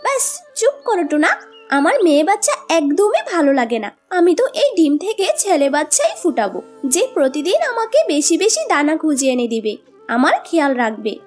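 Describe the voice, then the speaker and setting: A woman voicing a selfish, sulky mother bird in a children's cartoon, whiny and quick to snap. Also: sits high, very animated, a little mellow, soft background music. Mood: irritated. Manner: whiny, snappish, dismissive.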